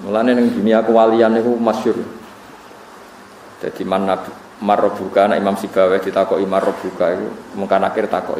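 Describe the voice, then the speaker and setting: This lower, darker-toned male voice belongs to a Javanese-accented cleric from Central Java, Indonesia, giving a religious study lecture on Quran commentary. He narrates stories with animation and chuckles along the way, captured in a roomy, distant recording with faint hum.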